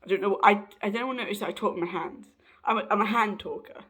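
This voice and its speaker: Chatty young trans man, slightly raspy. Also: sits high, quick pace, sharp tone. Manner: rambling, self-correcting, laughs often. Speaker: vlogger. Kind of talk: casual personal vlog.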